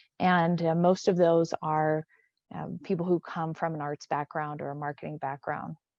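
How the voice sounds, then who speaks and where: A woman with an American accent speaks in a very deep, low voice. Her pace is moderate and her intonation monotone and flat. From US South (Gulf Coast of Alabama). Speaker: entrepreneur, company co-founder. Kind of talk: panel talk.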